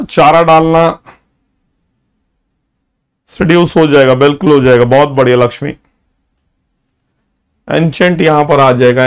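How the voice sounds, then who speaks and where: A man teaching English vocabulary in a live online class, moving between Hindi and English. He reads English examples slowly and praises students by name. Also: a little high. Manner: switches between Hindi and English, with slow, drawn-out English example sentences; praises students by name and urges them to take notes.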